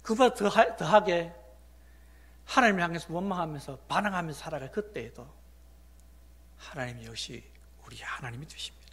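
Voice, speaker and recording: A middle-aged male pastor preaching a sermon. He drops to hushed whispers and builds to loud, emphatic peaks, and acts out the voices of believers and of God in quoted lines. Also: a little high, lively intonation, moderate pace, long pauses, slightly rough.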